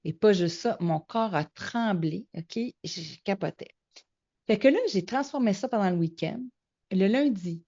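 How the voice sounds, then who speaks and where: Middle-aged woman, Québécois accent, animated storyteller guest, slightly dull recording. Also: mid-range voice. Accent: Québécois French. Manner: animated storyteller, acts out quoted dialogue. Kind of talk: casual storytelling interview. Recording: slightly muffled lo-fi audio.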